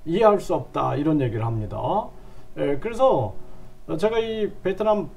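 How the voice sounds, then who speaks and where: An older man teaching a language lesson, patiently repeating phrases and dropping his voice low on side remarks. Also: lively intonation, normal speed, vocal fry, darkish tone, a little hiss or hum. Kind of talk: lecture with repeated drills.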